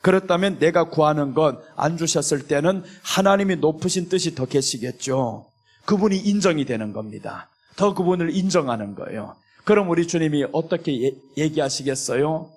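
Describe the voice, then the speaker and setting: High-voiced preaching pastor, emphatic. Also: male voice, expressive, normal speed. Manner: preaches emphatically, acts out prayers in raised pleading tones; drops to a soft, low voice for reflective asides. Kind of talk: sermon. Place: church.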